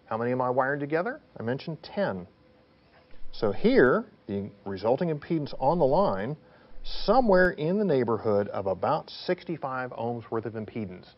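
Male technical instructor, lively intonation, emphatic step-by-step explainer, slightly muffled sound. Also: medium pitch, normal speed. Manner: didactic, emphatic, poses questions then answers them.

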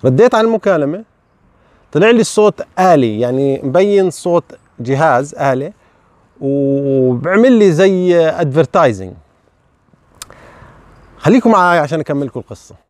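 Vlogger, male, 40s, Levantine accent, higher male voice, animated chat to camera. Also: normal speed, pauses often, no room sound. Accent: Levantine Arabic. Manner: animated, gesturing with his hands while he talks. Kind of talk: casual talk to camera. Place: backyard garden outdoors.

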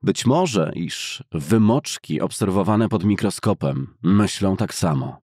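A man reads literary prose as an audiobook narrator, with a low-pitched, husky voice. His delivery is measured and formal, each phrase set out deliberately. The recording is close and dry, as in a studio. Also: lively intonation, a little mellow, no room sound. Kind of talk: scripted literary narration of a classic science fiction novel.

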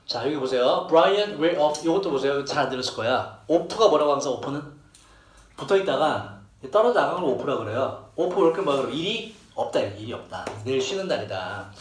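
A man's voice: fairly high pitch, lively intonation, brisk. A man teaching an English listening lesson who explains phrases in Korean and repeats key words aloud. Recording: echoey room, distant mic, faint hiss.

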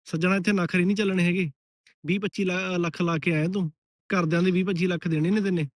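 Man, high-pitched, dry close sound; blunt lecturing advice vlogger. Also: steady tone, fairly quick, no echo. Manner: blunt, lecturing, addresses listener as friend. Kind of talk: direct-to-camera advice talk.

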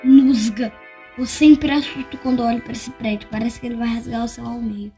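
Woman acting as a upset little brazilian street kid, plucky, high voice, radio play. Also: fairly even intonation, fairly quick, mellow, soft background music, lightly acted. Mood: wary. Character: upset, plucky young street boy with a dog.

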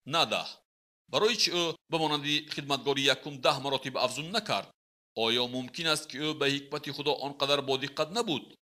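A man, reading a Christian teaching book aloud in a measured, teaching manner. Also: medium pitch, bright, forceful tone. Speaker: audiobook reader. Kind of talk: scripted narration of a Christian book.

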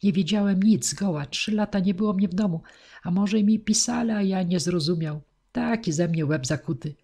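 A woman voicing an excitable, simple middle-aged male gardener who shouts in astonished joy. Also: fairly low pitch, normal speed, slightly rough, voice pushed up. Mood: astonished pleading.

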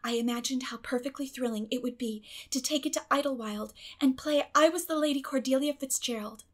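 Theatrical little girl for an audiobook, high breathy voice, super dramatic and wordy. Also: fairly quick. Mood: dreamy recital. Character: dramatic, imaginative young girl, pleading and theatrical.

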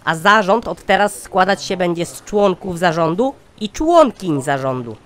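A man's voice: high voice, expressive, moderate pace, a bit bright. A man voicing a pompous, sardonic company chairman in a satirical cartoon, speaking formally. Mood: exasperated, lecturing. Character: pompous, exasperated male company chairman, scheming boss.

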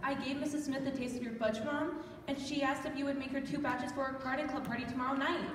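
A woman's voice: sits high, steady tone, quick pace, close to an everyday voice. A woman playing a sarcastic, self-important teenage big sister in an amateur stage radio play. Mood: smug. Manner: dry, teasing. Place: church stage before an audience. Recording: echoey church hall, distant, faint noise.

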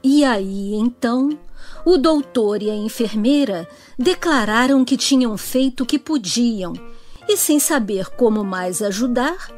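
A woman with a Brazilian accent narrating a storybook for children. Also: a little high.

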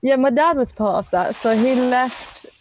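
A woman's voice: high voice, measured pace, a little hiss or hum. A young woman, chatting casually as a podcast guest, with lots of fillers and restarts. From England. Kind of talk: casual interview chat. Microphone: earphone mic on a video call. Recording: lo-fi video call audio.

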